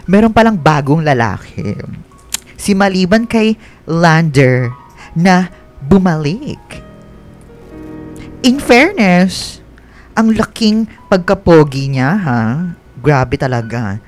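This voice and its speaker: A man's voice: fairly high pitch, very animated, takes it slowly, long pauses. A flamboyant young gay best friend in a Filipino radio drama. His delivery swoops dramatically and takes its time, sassy and boy-crazy, with a Filipino accent and music underneath. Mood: giddy, gossipy. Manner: campy, sassy, theatrical. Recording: music bed behind the voice.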